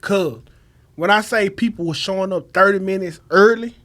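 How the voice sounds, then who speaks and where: A man's voice: high voice, normal speed. A young man with a Southern Black American accent telling casual, slangy stories full of swearing as a podcast guest. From Mississippi, USA. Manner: slangy, profane, animated storyteller. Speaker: podcast guest, former party promoter. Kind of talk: casual storytelling in conversation.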